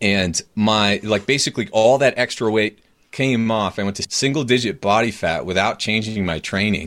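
A man with an unremarkable speaking voice talks at a moderate pace and fairly low pitch, with ordinary pitch variation, in a very clean recording with a silent background. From New Hampshire, US. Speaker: author and podcast host. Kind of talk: interview.

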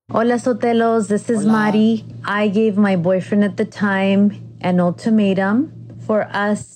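Noticeable background noise accompanies a woman speaking fairly slowly at medium pitch with fairly even intonation. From New York City. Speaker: listener. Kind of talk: testimony. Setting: recorded voice message.

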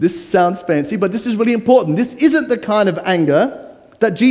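Lively intonation over plain reading aloud

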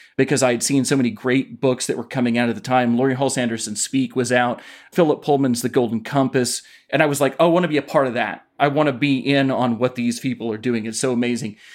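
A man with an American accent and medium pitch at a very fast pace, fairly even intonation, on a very clean recording with a silent background. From US South, Knoxville, Tennessee. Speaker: children's book author, former teacher. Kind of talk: interview.

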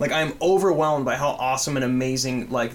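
Audible room echo and noticeable background noise surround this man's voice. His pitch is medium, his pace moderate and his intonation fairly even. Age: 30s. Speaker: podcast guest, father. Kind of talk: casual chat.

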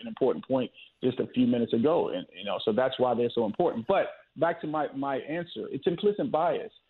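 This man has an unremarkable speaking voice with an American accent. He talks at a fairly quick pace, fairly high in pitch, with lively intonation. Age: 50s. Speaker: former NFL player and commentator. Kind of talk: radio interview.

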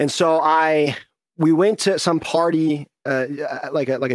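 A man speaking at a very slow pace. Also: dry, close sound with no echo. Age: 30s. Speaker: real estate investor. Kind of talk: interview.

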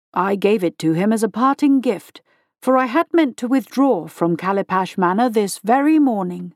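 A woman's unremarkable speaking voice, fairly high in pitch and fairly slow, in a very clean recording with a silent background and a dry, close sound with no echo. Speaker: audiobook narrator. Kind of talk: dramatic narration of a gothic Regency-style horror tale. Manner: measured, arch storytelling with a relish for wicked detail; voices characters, shifting into breathless grief for the lady.

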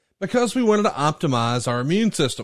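A man is speaking. The background is quiet. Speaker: podcast host. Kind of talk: casual chat.

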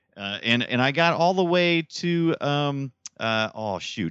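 A man speaks with very wide pitch swings. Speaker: podcast co-host. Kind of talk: casual chat.

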